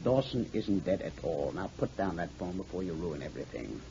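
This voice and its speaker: An actor playing a stubborn, short-tempered doctor, brusque and emphatic, in a 1940s radio drama. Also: male voice, low-pitched, expressive, fairly quick, creaky, mellow. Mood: resigned. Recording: muffled, noisy 1940s radio recording.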